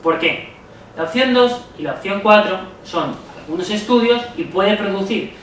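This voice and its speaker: A man's voice: sits high, expressive, normal speed. A man with a Spain Spanish accent giving a methodical exam-strategy lesson as a medical exam tutor, often checking in with listeners. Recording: very echoey room, voice far from mic, faint noise.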